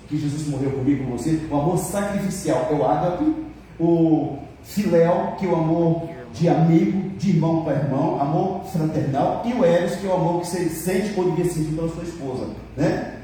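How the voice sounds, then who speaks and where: A man's voice: a little high, warm tone, slight background noise. A man with a Brazilian accent preaching a sermon to his church, joking with the congregation and acting out the dialogue he tells. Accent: Brazilian Portuguese. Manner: jokes with the congregation; acts out quoted dialogue. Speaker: pastor. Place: church hall. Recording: very echoey hall, mic far off.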